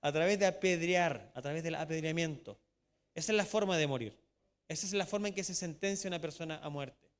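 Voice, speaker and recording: A Chilean man preaching a sermon as pastor, reading scripture emphatically and slowing down to stress key words. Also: fairly high pitch. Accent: Chilean Spanish. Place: church sanctuary. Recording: long church reverb.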